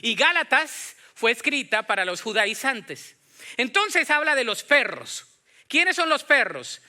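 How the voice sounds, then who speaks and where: A man preaches in Latin American Spanish with a strikingly high voice. His tone is very bright and forceful. He teaches scripture conversationally, in an animated manner, often turning to his listeners with questions. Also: unhurried. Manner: animated, acts out imagined dialogue, questions the congregation. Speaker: pastor preaching. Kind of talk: conversational Bible-teaching sermon.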